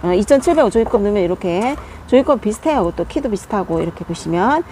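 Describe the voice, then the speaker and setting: A woman chatting through a product demonstration as an online seller of plant pots, friendly and talkative with soft laughs. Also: medium pitch, animated, quick pace, a little hiss or hum. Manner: chatty, friendly sales talk, often laughing softly.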